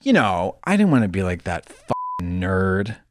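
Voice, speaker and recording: A man in his thirties co-hosting a casual podcast chat, animated and prone to mimicking accents and voices. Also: low voice, normal speed, noisy background. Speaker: podcast co-host. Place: small decorated studio indoors. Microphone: handheld mic.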